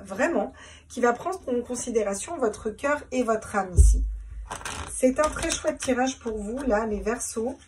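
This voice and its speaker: A woman's voice: on the high side, darkish tone, far from the mic, slight background noise. Chatty woman reading tarot. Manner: chatty, repeats words, laughs at herself. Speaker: tarot reader. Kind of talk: casual tarot reading to camera.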